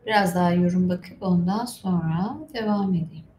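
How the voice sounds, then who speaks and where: A woman's voice: on the low side, normal speed, warm tone. A woman hosting a casual storytelling livestream, reading aloud and commenting in a chatty, rambling, informal way. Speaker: livestream host. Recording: roomy echo, faint background noise.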